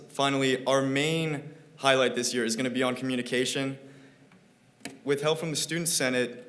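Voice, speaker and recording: A teenage boy gives an earnest, prepared report to a meeting, reading steadily from his notes. His voice sits at an ordinary middle pitch with a slight croak to it. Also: fairly bright tone. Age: teens. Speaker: student board representative.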